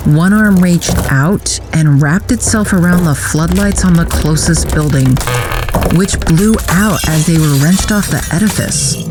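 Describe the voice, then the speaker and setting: A woman's voice: fairly low pitch, close to an everyday voice, poor audio. An actress playing a wry grown woman vividly recounting a teenage adventure in an audio drama. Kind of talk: dramatic first-person narration in audio drama. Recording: music bed behind voice.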